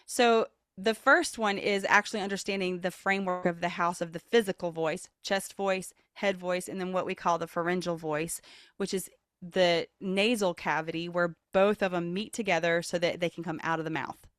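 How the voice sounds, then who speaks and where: On a podcast interview recorded with clean studio sound and no echo, a woman who coaches vocal leadership talks at a normal pace. Her tone is earnest and encouraging, and she bursts into playful voices, swinging widely in pitch to illustrate her points.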